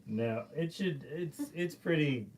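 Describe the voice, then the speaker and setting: A man's voice: fairly high pitch, lively intonation, slow pace, a little mellow, slight background noise, rough recording. A man, a painter hosting a live stream from his art studio, chatting casually and rambling through loose stories with lots of fillers as he paints.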